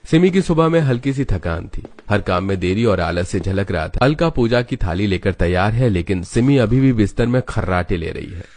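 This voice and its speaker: A man narrating an animated family story in a steady, storytelling manner. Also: lowish voice, moderate pace, few pauses.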